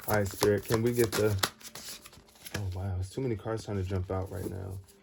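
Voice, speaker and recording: Over music in the background, a man talks at a fairly quick pace in a flat monotone at a fairly low pitch. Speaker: tarot reader. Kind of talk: tarot reading monologue. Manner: fast.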